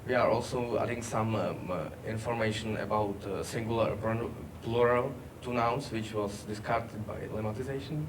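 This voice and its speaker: A man giving a technical workshop presentation, halting with many fillers. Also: fairly low pitch, fairly even intonation. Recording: distant mic, background noise.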